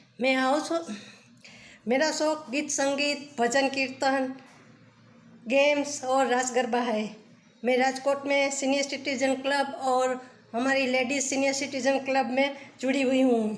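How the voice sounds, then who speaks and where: In a room with audible echo, a woman speaks at a high pitch, her loudness very even and her intonation flat and monotone. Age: 60s. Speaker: housewife, club member. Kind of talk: self-introduction.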